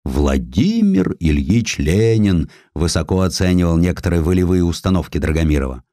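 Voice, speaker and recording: Male narrator, deep pitch, highly varied intonation, dramatic historical storytelling, deliberate pauses, dry studio sound. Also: very animated, dark tone, no room sound. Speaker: audiobook narrator.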